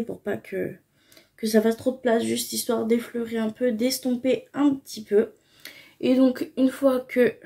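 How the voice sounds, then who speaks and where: A woman's voice: a little high, warm tone, husky. A young woman casually talking through her makeup routine, explaining each step with frequent fillers. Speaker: beauty vlogger.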